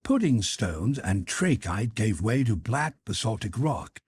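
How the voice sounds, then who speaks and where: Male narrator, very husky and breathy, animated pitch, measured literary storytelling, dry close sound. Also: no echo. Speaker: audiobook narrator.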